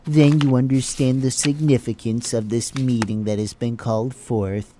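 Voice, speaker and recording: Guy acting a stern hospital boss man, formal and mellow, audio drama, slight noise. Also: mid-range voice, fairly even intonation, normal speed, lightly acted. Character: stern, condescending male hospital chief of staff.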